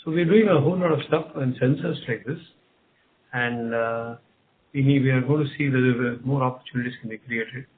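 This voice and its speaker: A man's voice: medium pitch, fairly quick. A man with an Indian accent, a company executive giving unscripted answers on an investor call, often repeating and rephrasing his phrases. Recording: narrow phone line, clear background noise.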